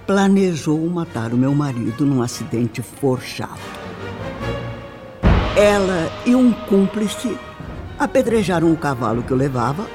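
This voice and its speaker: A bitter wronged wife, theatrical and lively. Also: female voice, deep voice. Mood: grave, dramatic. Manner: theatrical, emphatic, with dramatic pauses. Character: wronged woman recounting her past life under regression, bitter, dramatic. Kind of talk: radio soap opera acting, dramatic monologue.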